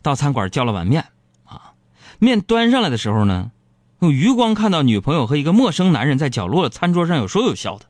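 A man hosting, telling listener jokes in a comic storytelling style, animated and quick to laugh at his own punchlines. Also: on the high side, no echo. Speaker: host reading listener jokes.

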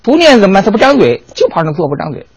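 A man telling history in a lively, colloquial lecture with dramatic asides. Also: high-pitched, racing, vocal fry, husky, no echo. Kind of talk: storytelling lecture.

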